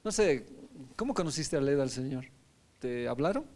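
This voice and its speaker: A man's voice: medium pitch, lively intonation, normal speed, a little mellow. A man, a pastor, teaching a Bible lesson in a conversational sermon, often asking his listeners questions and adding tag questions.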